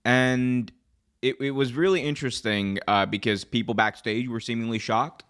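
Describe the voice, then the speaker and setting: A man's voice: mid-range voice, moderate pace, a bit bright, smooth. A man hosting a casual wrestling news discussion, talking loosely with lots of "like" and "you know". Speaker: host of a wrestling news show.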